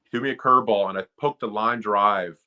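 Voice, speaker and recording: A man's voice: lowish voice, brisk, sharp tone. A man in his forties, a former ballplayer turned broadcaster, chatting and telling self-deprecating stories as a guest on a podcast. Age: 40s. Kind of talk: casual storytelling interview.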